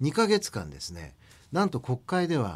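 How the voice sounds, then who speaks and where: Speaking at a fairly slow pace, a man lets his pitch swing very widely. The recording is very clean, with a silent background. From Tokyo, Japan. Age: 50s. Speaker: literary critic. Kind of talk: radio interview discussion.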